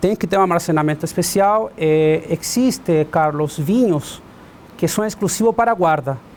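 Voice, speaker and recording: A man with a Chilean accent, high-pitched, at a moderate pace, with ordinary pitch variation and very even loudness. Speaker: wine importer. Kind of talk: interview.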